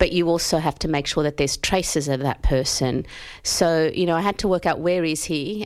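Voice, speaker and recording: Very deep and low in pitch, a woman with an Australian accent talks at a moderate pace with fairly even intonation on a very clean recording with a silent background. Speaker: novelist. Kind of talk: interview.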